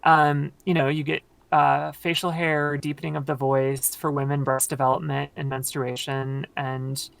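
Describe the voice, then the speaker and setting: Woman with a very low, gravelly voice. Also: flat delivery, measured pace, hardly any pauses, no room sound. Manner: thoughtful, explanatory, many fillers. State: tired voice from long talking. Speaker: podcast guest. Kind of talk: casual conversation.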